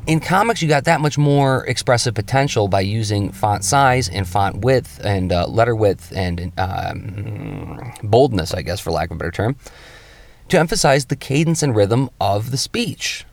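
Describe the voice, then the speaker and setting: With a gravelly, lowish, animated voice at a moderate pace, this man hosts a lettering show as a comics artist. He teaches casually, musing aloud with frequent self-interjections and emphatic vocal shifts to make points; there's no echo.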